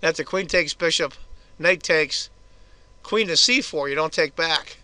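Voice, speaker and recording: Hoarse man commenting on chess. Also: fairly high pitch, a little slow, pushed and bright, dry recording. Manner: casual, chatty move-by-move analysis. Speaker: chess video host.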